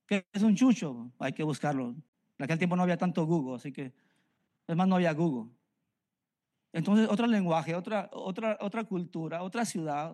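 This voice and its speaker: Repeating phrases to stress his message, a middle-aged pastor from Mexico preaches an earnest sermon. He has a Mexican Spanish accent, and his voice is on the high side with a darkish tone.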